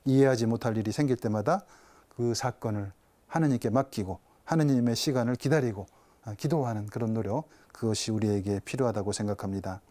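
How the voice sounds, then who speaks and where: A man's voice: mid-range voice, brisk, warm tone. A man, a Catholic priest, giving a televised spiritual talk, telling a story and asking his listeners rhetorical questions.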